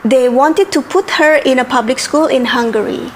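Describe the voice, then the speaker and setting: A woman's voice: high-pitched, normal speed, a little hiss or hum. A woman in her forties from Indonesia, with an Indonesian accent, explaining things in a casual chat and listing examples. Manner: explanatory, lists examples, frequent yeahs. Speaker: vlogger and parent.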